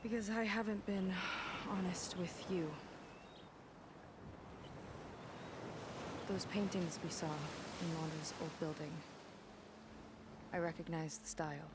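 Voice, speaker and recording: A woman playing a troubled, candid young tribal warrior in a game cutscene, speaking earnestly and haltingly. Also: on the low side, level tone, background noise, natural voice. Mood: sad, confessional. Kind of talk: video game cutscene acting. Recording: clear ambient game sound behind voice.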